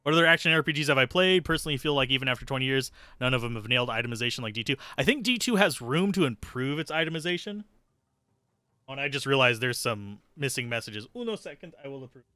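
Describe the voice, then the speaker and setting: This game streamer delivers quick, lively, sweary commentary on his live gameplay, chatting sardonically with viewers and poking fun at himself. His medium-pitched voice is bright, forceful and smooth, without echo.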